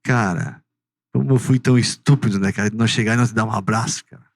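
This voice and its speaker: Heartfelt podcast host. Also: male voice, lowish voice, fast. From southern Brazil. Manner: heartfelt, reflective, often adds "né". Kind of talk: emotional interview chat.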